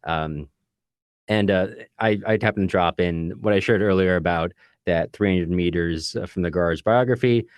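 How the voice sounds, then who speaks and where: A man's voice: low voice, normal speed, clear, resonant tone, dry recording, studio quality. A man co-hosting a book discussion podcast in a casual, chatty style, sometimes reading aloud. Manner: reads listener comments aloud. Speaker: podcast co-host.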